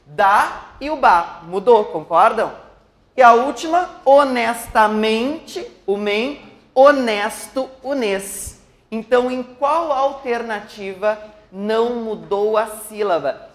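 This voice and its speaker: A woman's voice: fairly high pitch, expressive, slow pace. A woman leads an exam-prep lesson, taking her time over every word and often stopping to ask the class a question. Her voice rings out in an echoey room. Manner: explains step by step, asks students questions. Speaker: teacher.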